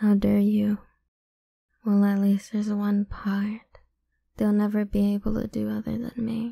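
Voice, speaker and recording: A playful tone at a fairly slow pace, with long, frequent pauses and a quiet background. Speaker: ASMR roleplay creator. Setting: solo audio recording, listener addressed as partner. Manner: possessive, domineering, with playful laughs.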